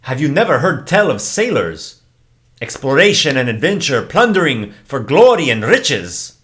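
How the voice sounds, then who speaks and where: A man's voice: mid-range voice, big pitch swings, moderate pace, fairly bright tone, voice pushed up. A man voicing a brash, boastful sailor adventurer with a crude tongue.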